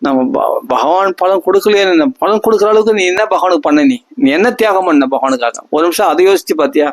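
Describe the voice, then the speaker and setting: Male devotional storyteller, fairly high voice, chants verses, grows fervent when pleading. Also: animated, dry recording. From India. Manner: chants verses slowly, then pleads with rising fervor. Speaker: religious storyteller. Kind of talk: devotional discourse.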